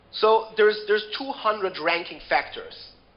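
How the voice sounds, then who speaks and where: The speaker moves along at a fairly quick pace. Noticeable background noise can be heard. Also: man. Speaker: SEO and WordPress expert. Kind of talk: interview.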